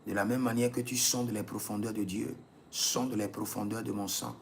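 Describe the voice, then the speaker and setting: A man's voice: lowish voice, fairly even intonation, moderate pace, gravelly, a little hiss or hum. A man, a prophet leading a live prayer session, repeating intense commands and breaking into tongues.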